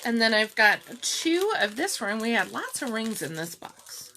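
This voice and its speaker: A middle-aged woman with a calm, soft-spoken voice, chatting slowly through a live jewelry showcase and answering viewers by name. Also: on the high side, a little hiss or hum, rough recording. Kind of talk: slow live-stream product showcase chat.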